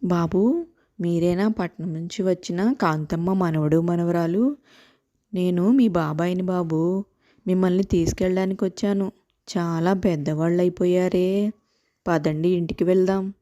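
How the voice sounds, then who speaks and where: A woman voicing a friendly village uncle in an animated children's story. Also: on the low side, a little slow, natural voice. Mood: welcoming.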